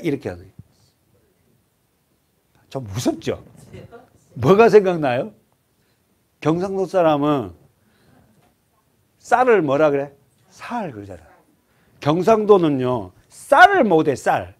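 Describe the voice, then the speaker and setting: A male pastor preaching an expository sermon in a church, keeping it lively by quizzing the congregation and dropping to a hushed voice for grim points. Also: on the high side, takes it slowly, long pauses. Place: church sanctuary.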